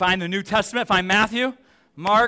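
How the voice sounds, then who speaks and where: High-pitched, raised and projected voice of a man with an American accent. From Arizona (Yuma). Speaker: youth camp preacher. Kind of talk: sermon. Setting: stage with audience. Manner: animated.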